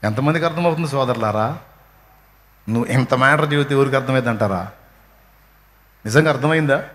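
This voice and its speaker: A man with a Telugu accent preaching a sermon. He acts out the quotes and swings from low murmurs to loud cries. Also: a little fast. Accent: Telugu, Andhra.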